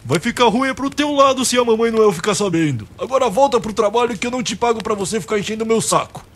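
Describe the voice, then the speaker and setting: A man's voice: high voice, lively intonation, fast talker. A man playing a grumpy, foul-mouthed old Santa Claus with theatrical bluster in a radio drama. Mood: grumbling. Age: older.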